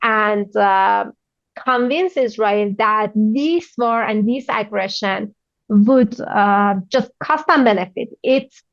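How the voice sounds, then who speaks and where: A woman's voice: medium pitch, slow pace, no echo. Female journalist interviewee, Persian accent, searches for words in non-native English, dull lo-fi sound with little room. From Iran. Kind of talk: news interview answers.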